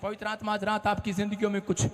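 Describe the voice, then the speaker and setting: A man preaching a sermon as a pastor, shouting and acting out scenes as he tells stories. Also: high voice, completely flat delivery, very fast. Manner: shouting, dramatic storytelling. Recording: long hall reverb.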